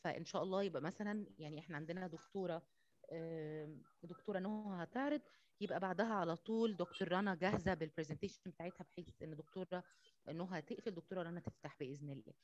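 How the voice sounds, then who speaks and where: A woman's voice: lowish voice, steady tone, rapid-fire, a little mellow, no echo. An Egyptian woman co-chairing an academic session over a muffled online call, courteous and conversational, mixing in English terms. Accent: Egyptian Arabic. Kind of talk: polite conversational session moderating. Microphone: online video call.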